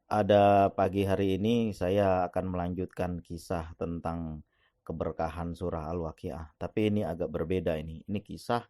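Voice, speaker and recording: A man telling a story in a relaxed, conversational way, with pauses and throat-clearing. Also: sits low, no room sound, clean studio sound. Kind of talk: casual spoken storytelling.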